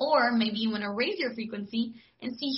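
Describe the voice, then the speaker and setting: Her fairly high voice moves at a fairly quick pace with ordinary pitch variation. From Israel, then Los Angeles. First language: Hebrew. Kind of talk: casual interview conversation.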